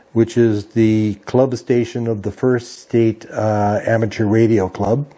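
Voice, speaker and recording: A man with a relaxed, mellow voice presents an informational rundown. He works methodically through each item in a plain, explanatory manner, like a hobby host reading from notes. His pitch sits in an ordinary middle range. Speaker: amateur radio video host.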